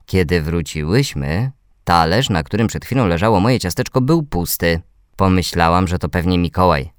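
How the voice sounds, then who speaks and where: Low-voiced guy reading a kids' story, gentle and steady, dry close sound. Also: smooth, no echo. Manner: gentle, measured reading to children. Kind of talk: children's story narration.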